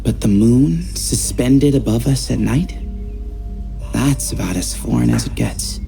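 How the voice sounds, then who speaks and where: A man's voice: mid-range voice, expressive, measured pace, gravelly, mellow, faint music behind. A man playing an easygoing young friend in a video game, casual, playful and fond of teasing. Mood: amused, casual.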